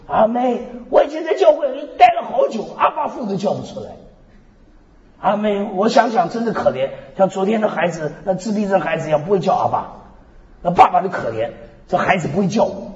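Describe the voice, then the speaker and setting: Man preaching in a church hall, high voice all over the place, hallelujah every other line, roomy echo. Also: a little fast, a little hiss or hum. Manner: peppers speech with "hallelujah, amen" refrains; lively storytelling, swings between loud and soft. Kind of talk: sermon. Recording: echoey hall, dull lo-fi sound.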